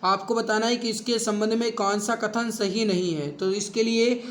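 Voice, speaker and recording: A man's voice: high voice, steady tone, normal speed, fairly bright tone. A man speaking as an online exam-prep teacher, addressing students familiarly with emphatic repetition. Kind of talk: quiz lesson for exam students with promotional pitch.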